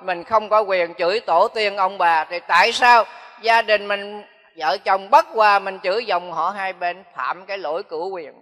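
A man's voice: sits high, fairly even intonation, normal speed, sharp tone. An older man, a Buddhist monk, giving a folksy dharma talk that repeats phrases for emphasis. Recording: long hall reverb.

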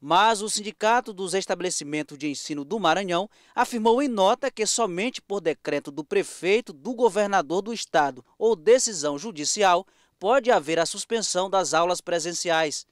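A male reporter reads a news package in a high, crisp, smooth voice. The sound is dry and close, and his delivery is formal and even. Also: normal speed, dry recording. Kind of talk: scripted news report voice-over.

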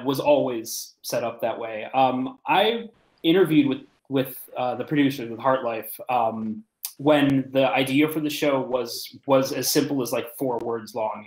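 A man in his thirties giving a halting, unscripted panel answer as a writer, on a video call from home. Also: medium pitch. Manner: halting, frequent hesitations and self-repairs. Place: room at home, indoors. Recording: echoey room on video call.

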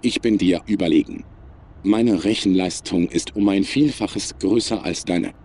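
A man playing a cold, superior, menacing artificial intelligence in a science fiction audio drama, speaking in a measured, formal, emotionless way. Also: sits low, warm tone, husky, full character voice.

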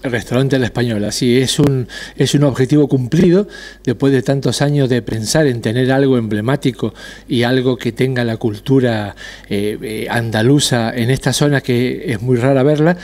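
A middle-aged man from Argentina, a restaurant owner and dentist, answering interview questions in a measured way with frequent hesitations. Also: medium pitch, a little mellow. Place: decorated restaurant patio. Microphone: handheld interviewer mic.

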